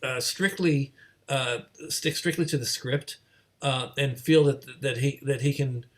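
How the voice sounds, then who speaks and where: Man, interview host. Medium pitch, informal, halting delivery with repeated word starts and stammered phrasing. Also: steady tone. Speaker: host, moderator. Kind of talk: casual interview moderating.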